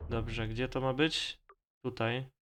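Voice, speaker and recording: A man's voice: medium pitch, little pitch movement, takes it slowly, fairly bright tone, clean tone, soft background music. A man with a Polish accent giving casual, slangy, mildly profane gaming commentary as host of a let's play. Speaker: gamer hosting a let's play series.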